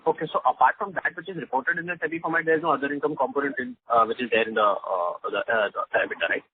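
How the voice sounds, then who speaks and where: A man speaking as a financial analyst, politely and haltingly asking long questions on an earnings call. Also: mid-range voice, a little hiss or hum. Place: telephone conference call. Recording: tinny narrowband telephone line.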